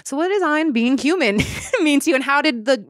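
A woman's voice: high-pitched, expressive, a little fast, no room sound, clean studio sound. A woman hosting a podcast interview, chatting reflectively and laughing often. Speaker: podcast host. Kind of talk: casual interview conversation.

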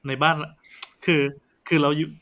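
A man co-hosting a tech podcast, throwing in quick, blunt reactions. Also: a bit bright. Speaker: podcast co-host. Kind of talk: casual tech podcast chat.

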